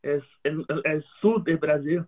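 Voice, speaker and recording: A man from Brazil with a Brazilian Portuguese accent, hosting a live interview and asking short questions in halting Spanish. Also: on the high side, phone-quality sound. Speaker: host. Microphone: video call.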